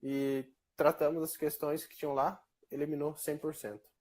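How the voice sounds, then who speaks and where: A man's voice: a little high, flat delivery, moderate pace, darkish tone. Brazilian man relaying viewer questions. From southern Brazil. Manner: brief agreeing interjections, relays viewer questions. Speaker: hypnotherapist guest. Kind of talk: casual live chat.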